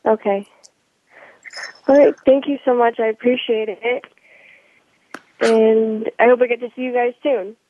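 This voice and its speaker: A woman calling in over the phone to a talk show, answering in short, soft, agreeable and thankful replies. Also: fairly high pitch, steady tone, measured pace, long pauses, no room sound. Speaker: caller. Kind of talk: call-in chat. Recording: tinny phone line with faint noise.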